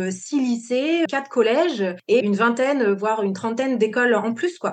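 A woman speaks at a moderate pace with lively intonation and a fairly high pitch. Hers is a plain, everyday voice. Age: 30s. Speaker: nurse. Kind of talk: interview. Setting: video call.

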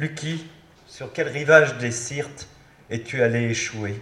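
In a room with audible echo, a man talks at medium pitch, his pitch varying in an ordinary way. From France, Lyon. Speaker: old friend and activist. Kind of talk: eulogy at a memorial gathering.

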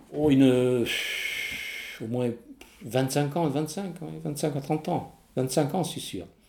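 Noticeable background noise runs under a man with a fairly high pitch. He speaks at a very slow pace with ordinary pitch variation. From Corsica. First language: Corsican (speaking French). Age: 70s. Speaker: Corsican language teacher. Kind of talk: testimony. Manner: halting.

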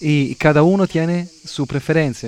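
Delivered in an Italian accent, the speech moves at a very slow pace with fairly even intonation. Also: man. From Italy. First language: Italian (speaking French). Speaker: accordionist. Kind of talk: interview.

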